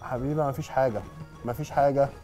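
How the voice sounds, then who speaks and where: Pleading Egyptian man trying to calm things. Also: mid-range voice, quick pace, faint music behind. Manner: pleading, trying to calm others, repeats himself. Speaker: coach caught in a prank. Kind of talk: heated argument.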